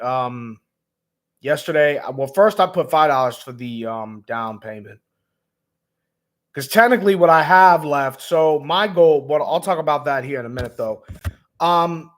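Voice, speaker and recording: A man who is hoarse and raspy, hosting a laid-back gaming vlog livestream with lots of ums, talking to viewers as man and bro. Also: medium pitch. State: hoarse, lost voice. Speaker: gaming vlogger host. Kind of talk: casual livestream chat.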